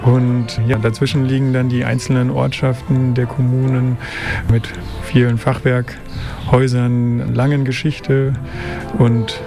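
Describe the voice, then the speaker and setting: A man's voice: medium pitch, level tone, unhurried, vocal fry, music in the background. A man from a tourism office answering interview questions, explaining things and using plenty of fillers.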